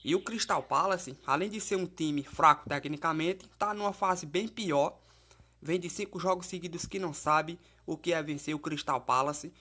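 A man's voice: fairly high pitch, moderate pace, sharp tone. A man giving casual football betting tips in a voice-over, chatty and loose, often tagging lines with "né?" and calling viewers "família" and "galera". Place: voice-over, not recorded in the pictured place.

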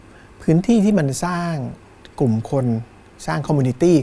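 A middle-aged Thai man, a cinema owner, talking thoughtfully in an interview, unhurried and pausing to find his words. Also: a little high, expressive, gravelly, dark tone. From Thailand. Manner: thoughtful, unhurried, with fillers and restarts. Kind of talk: reflective interview talk. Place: small cinema in front of a screen, indoors.

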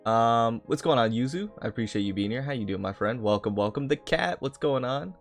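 A man's voice: mid-range voice, animated, fairly quick. A man live streaming in a casual, chatty way, greeting viewers and often repeating his phrases. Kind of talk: casual gaming livestream chat, greeting viewers. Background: background music.

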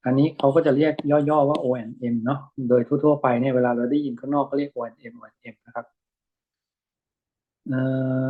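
A man in a relaxed lesson, explaining an article slowly and thinking aloud with many pauses and fillers. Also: medium pitch, husky. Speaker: lecturer reading an article with students. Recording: dull lo-fi recording.

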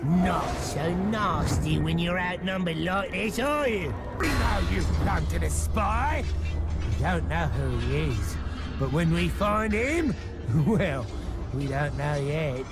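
A man playing a menacing, taunting orc warrior in a video game, with a gravelly, theatrical delivery. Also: on the high side, expressive, takes it slowly. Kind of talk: video game villain acting. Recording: loud music behind the voice.

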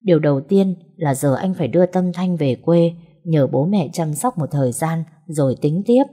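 Woman storyteller, low and husky, mellow, steady late-night narration. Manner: steady, measured reading.

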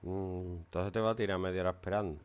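A man's voice: deep voice, fairly even intonation, fast talker, slight background noise. A stern man, teaching and lecturing a class in a classroom. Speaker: English teacher.

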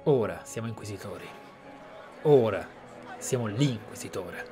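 A man from Italy giving reflective roleplay commentary on a game as a streamer, with dramatic pauses. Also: lowish voice, animated, music in the background. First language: Italian. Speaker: streamer, let's player.

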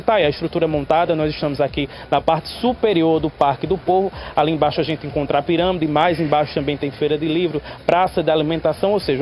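A young man, a field reporter giving a brisk, upbeat live report at an outdoor event venue. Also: a little high, a little mellow, a little hiss or hum. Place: outdoor event venue under a large tent roof. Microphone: handheld microphone.

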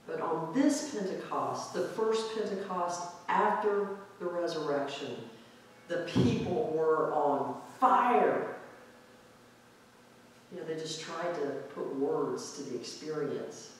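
A male pastor giving a reflective, conversational sermon in a church sanctuary, drawing out key words slowly for emphasis. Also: a little high, a little hiss or hum. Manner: reflective, conversational preaching with slow drawn-out emphasis. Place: church sanctuary with pipe organ, indoors. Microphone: far camera at back of sanctuary. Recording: very echoey church hall from far off.

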